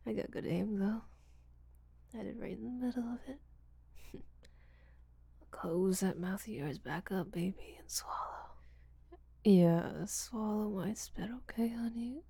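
A woman playing a breathy, giggling seductress. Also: medium pitch, unhurried, long pauses, mellow, no room sound. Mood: teasing. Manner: breathy whispering, frequent giggles, teasing. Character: teasing, domineering seductive woman, rough-handed. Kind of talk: audio roleplay.

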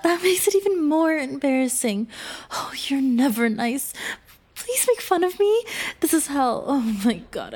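Adult audio drama: actress as exasperated, sarcastic young woman, flustered, extremely high register, unhurried halting delivery. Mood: exasperated, aroused.

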